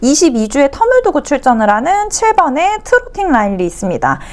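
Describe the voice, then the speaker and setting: A woman's voice with lively intonation. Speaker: horse racing tipster. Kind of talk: race preview commentary. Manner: fast.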